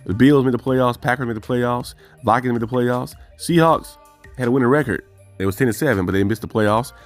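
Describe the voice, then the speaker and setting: A man's voice: medium pitch, brisk, faint music behind. A man hosting a fan channel, talking through team news in a loose, rambling way and correcting himself as he goes. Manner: rambling, thinks aloud, self-correcting. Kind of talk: casual solo sports commentary.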